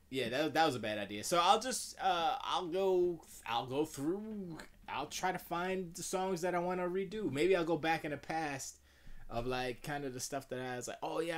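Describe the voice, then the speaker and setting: A middle-aged man with a deep voice, chatting casually and rambling in a self-deprecating way while streaming from his home music studio. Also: a bit bright. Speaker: music producer streaming live. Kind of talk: casual live-stream chat.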